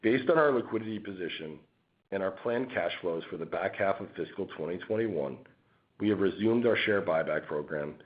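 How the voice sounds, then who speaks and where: A man presenting as a company finance executive, reading a scripted financial report in a formal, measured manner. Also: low-pitched. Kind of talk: scripted earnings-call presentation. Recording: dull, lo-fi conference call audio.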